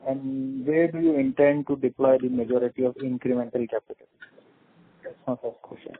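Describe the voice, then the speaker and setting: Husky man on a phone line. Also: medium pitch, level tone, normal speed. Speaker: investor asking questions. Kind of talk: measured question-asking on a conference call. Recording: muffled narrow phone line.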